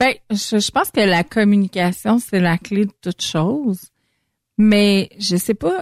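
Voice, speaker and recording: A woman talks very slowly at a medium pitch, with ordinary pitch variation. The recording is very clean with a silent background, and the sound is dry and close with no echo. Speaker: adult products sales ambassador. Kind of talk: product presentation.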